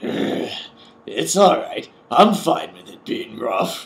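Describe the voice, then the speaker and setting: In a put-on character voice, the speaker sounds raspy and moves at a very slow pace. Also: man. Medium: read story. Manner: eager, pushy.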